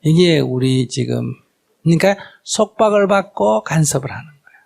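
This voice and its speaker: A man's voice: on the high side, expressive, normal speed, vocal fry, darkish tone. A man, a Buddhist monk giving a question-and-answer dharma talk, firing rhetorical questions at the audience and acting out quoted exchanges. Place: lecture hall with audience.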